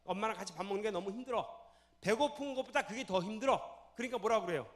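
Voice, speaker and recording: A man preaching a sermon in a church, animated, firing questions at the congregation and acting out scenes. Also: high-pitched, fast. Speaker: pastor.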